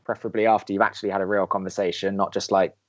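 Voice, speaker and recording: A man's voice: low-pitched, flat delivery, rapid-fire, dull audio, natural voice. A young man playing a sardonic, reluctant college radio co-host in an audio drama, with a dry, skeptical, pedantic way of talking. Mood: reluctantly helpful. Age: young adult. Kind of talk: scripted audio drama banter.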